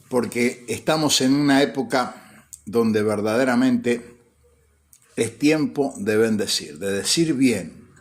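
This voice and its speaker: A man with a slightly hoarse, tired-throated voice, a pastor giving an informal devotional teaching, repeating key phrases and answering his own questions. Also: mid-range voice. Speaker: pastor hosting a devotional broadcast.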